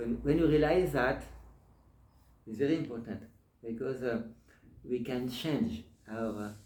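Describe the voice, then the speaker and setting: Speaking fairly slowly with a French accent, the voice has a dark, mellow tone, vocal fry and ordinary pitch variation, with audible room echo. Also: man. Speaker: Hare Krishna monk and lecturer. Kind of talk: scripture lecture to devotees. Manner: halting, with many fillers.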